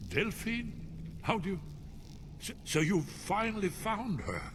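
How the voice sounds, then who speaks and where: An actor playing a paranoid, fatalistic old scholar in a video game, agitated and muttering in a theatrical way. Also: male voice, high-pitched, sing-song, measured pace, noisy background. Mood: alarmed, evasive. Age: older. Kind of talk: video game character acting.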